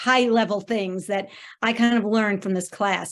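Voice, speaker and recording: In an American accent, a woman talks at a moderate pace with ordinary pitch variation and an ordinary speaking voice. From New York, Staten Island. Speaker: memoir writing participant. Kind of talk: casual talk at book launch. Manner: informal, with fillers.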